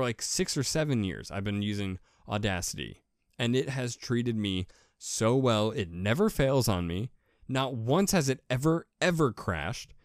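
A man with a deep voice giving a casual, rambling how-to talk as a podcaster, repeating himself with enthusiasm. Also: no room sound, clean studio sound. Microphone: USB desk microphone with pop filter.

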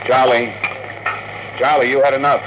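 A noisy old radio recording carries a disillusioned rocket captain acted by a man. He is terse and wary, talking bluntly and informally in a medium male pitch. The delivery is classic 1950s radio drama. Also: little pitch movement, moderate pace, close to an everyday voice. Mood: incredulous.

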